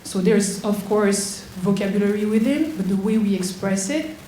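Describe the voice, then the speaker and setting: A woman from Switzerland who is not a native English speaker, a dancer speaking slowly and earnestly with pauses between phrases. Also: medium pitch, dark tone. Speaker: dancer and performer. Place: theater auditorium. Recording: echoey theater with faint noise.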